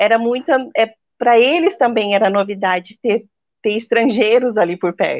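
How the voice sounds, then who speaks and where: Her voice is a plain, everyday voice, fairly high, with ordinary pitch variation at a moderate pace. The woman is heard in a dry, close sound with no echo. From Brazil, 15 years in Japan from age 11. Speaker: amigurumi artisan. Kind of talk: interview.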